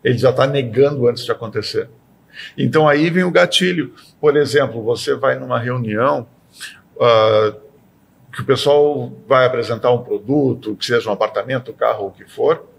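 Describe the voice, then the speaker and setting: Gravelly man, animated talk. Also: medium pitch, normal speed, slight background noise. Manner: animated, acts out everyday sayings in quoted voices. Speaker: podcast panelist. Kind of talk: casual podcast discussion.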